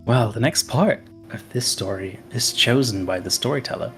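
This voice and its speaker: A man playing a tabletop game, telling an ominous story in character with a slow, dramatic delivery. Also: mid-range voice, faint music behind. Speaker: player.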